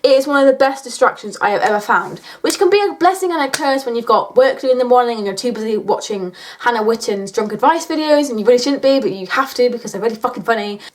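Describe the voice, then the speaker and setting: A woman's voice: on the high side, animated, fast talker, hardly any pauses. A British woman in her late teens chatting casually in a question-and-answer vlog, with a blunt, sweary, joking manner. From United Kingdom. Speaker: YouTuber answering viewer questions.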